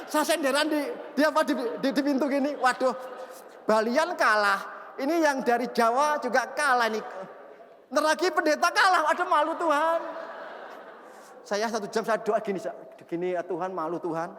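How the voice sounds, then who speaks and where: A male pastor preaching an animated sermon full of stories, acting out shouted prayers and laughing at himself. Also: very high-pitched, moderate pace. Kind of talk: sermon with storytelling. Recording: long reverb of a large hall.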